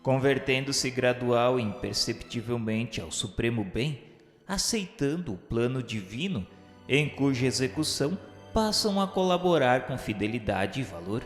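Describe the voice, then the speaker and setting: A man with a Brazilian accent reads a scripted radio novela narration in a formal, measured, didactic way. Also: mid-range voice, expressive. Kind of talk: scripted dramatized narration, solemn literary reading. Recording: echoey hall reverb, music underneath. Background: music.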